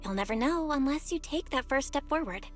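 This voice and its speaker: Encouraging young game heroine: very high, lively pitch, sweet, music underneath. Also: female voice, a little fast. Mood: reassuring. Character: sweet, reassuring young heroine and junior disciple. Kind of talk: anime-style video game voice acting.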